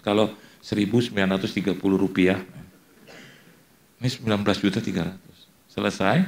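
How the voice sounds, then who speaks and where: Middle-aged male pastor, lowish gravelly voice, animated storytelling sermon. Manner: animated storyteller, acts out dialogue, mixes in English phrases.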